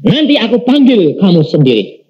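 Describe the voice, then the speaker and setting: God speaks in slow, drawn-out commands, as a man puts him on in a sermon. The voice stays calm and measured. The recording is dull and lo-fi. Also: sits high. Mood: patient.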